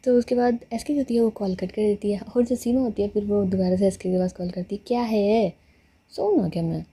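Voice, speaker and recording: A woman's voice: mid-range voice, steady tone, fast talker, dark tone, slightly rough. A woman narrating a romantic story in a casual, chatty way. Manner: chatty retelling.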